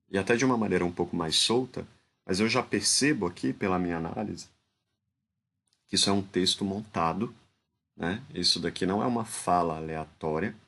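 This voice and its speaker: A man's voice: sits low, vocal fry, fairly bright tone, breathy edge. A man with a Brazilian Portuguese accent gives informal spoken commentary analyzing a speech. He talks hesitantly, restarts phrases often and keeps adding tag questions.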